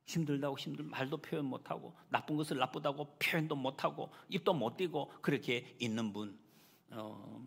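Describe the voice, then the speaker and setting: A man's voice: medium pitch, breathy edge. A man preaching a Sunday sermon as pastor, who acts out the quoted lines with a raised voice and speaks to the young people in the congregation. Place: church sanctuary. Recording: long church reverb.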